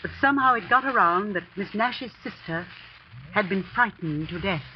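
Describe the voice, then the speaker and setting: A woman's voice: mid-range voice, animated, moderate pace, slight background noise, lightly acted. An actress playing an older woman, a school housekeeper who hesitantly confides gossip, in a 1940s radio drama. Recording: muffled 1940s radio broadcast.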